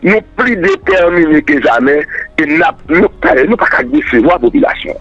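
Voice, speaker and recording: A man's voice: a little high, very animated, moderate pace, a bit bright, no room sound, lo-fi sound. A man, a political guest answering in a radio interview, emphatic and repetitive, declaiming his points.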